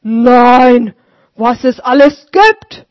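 A woman voicing a humble, grateful poor old male street sweeper with a raspy voice in a storybook reading. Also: on the high side, expressive, extremely slow, no echo. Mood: curious. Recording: dull lo-fi recording.

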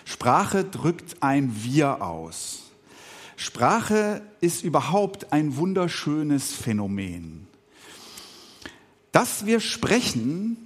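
Reflective middle-aged preacher, lively pitch. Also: male voice, breathy edge. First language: Swiss German. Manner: reflective, with pauses and filler sounds. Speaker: pastor. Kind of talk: podcast sermon.

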